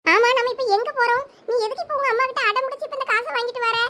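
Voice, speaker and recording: A performer voicing a nosy young village woman friend in a very high, shrill cartoon voice with a Thoothukudi Tamil accent. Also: fairly even intonation, very fast, pushed and bright, a little hiss or hum. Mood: questioning.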